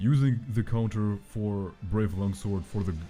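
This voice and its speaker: Music plays in the background as a man with a non-native accent talks in a fairly low voice. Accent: non-native English pronunciation. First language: not English. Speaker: gaming video commentator. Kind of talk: gaming commentary voice-over.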